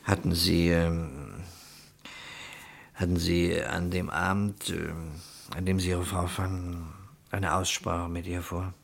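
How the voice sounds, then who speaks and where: A man's voice: low-pitched, level tone, slow, vocal fry, full character voice. A man playing a shrewd police investigator in a crime radio play, questioning pointedly with skeptical, dry reasoning. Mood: measured, probing.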